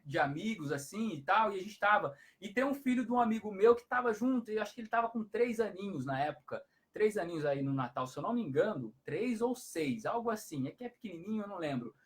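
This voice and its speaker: A man, a hypnotherapist giving parenting advice on a live stream, who explains things repetitively and often adds tag questions. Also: high voice.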